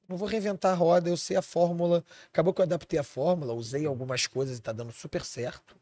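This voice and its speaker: A man's voice: on the high side, fairly even intonation, fast, dark tone, dry recording, studio quality. A man from Switzerland, a chef and restaurant owner, talking animatedly in a casual podcast chat and swearing freely.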